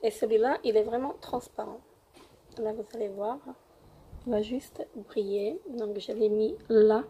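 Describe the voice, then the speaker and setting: A young woman with a cold-roughened voice, hesitantly reviewing beauty products in a casual home vlog with many fillers. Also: mid-range voice, steady tone, unhurried, warm tone, lo-fi sound, a little hiss or hum. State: hoarse from a cold. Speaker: beauty vlogger.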